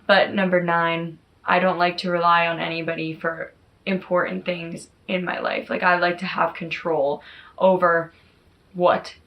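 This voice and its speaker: A woman's voice: lowish voice, level tone, a little slow, muffled recording. A woman in her early twenties chatting casually to her viewers as a vlogger, informal and peppered with filler words like "like" and "you know". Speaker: YouTube vlogger. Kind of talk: casual chatty talk to camera.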